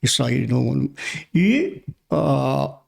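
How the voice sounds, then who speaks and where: An older pastor from Brazil, recounting his past in a relaxed podcast conversation. His voice has a gravelly edge at middle pitch, and he often stops to repeat a word before going on. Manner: halting, repeats words while recalling. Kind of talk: casual interview storytelling.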